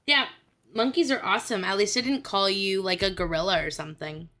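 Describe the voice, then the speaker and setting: A woman's voice: medium pitch, brisk, sharp tone. A woman hosting a casual livestream, chatting in a playful, teasing, exclamatory way. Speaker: streamer and host.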